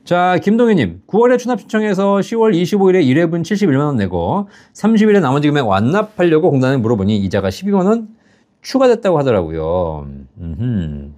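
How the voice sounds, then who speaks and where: A man's voice: a little high, sing-song, a little fast, warm tone. A man in his fifties hosting a live pension advice stream, reading out viewer questions and answering them in a chatty way, laughing at his own stories and often checking "right?" with the audience. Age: 50s.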